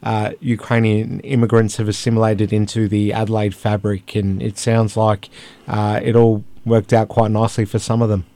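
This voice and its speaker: A man's voice: lowish voice, flat delivery, moderate pace, dark tone. A male radio host, asking friendly, curious questions in a casual interview.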